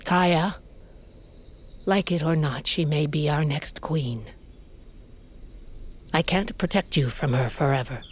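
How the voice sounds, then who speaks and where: An actress playing a fierce, aging tribal queen and mother in an audio drama, speaking in a grave, measured way and sometimes coughing from sickness. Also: slight background noise. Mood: weary tender. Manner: grave, measured, low storytelling delivery. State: sickly, coughing.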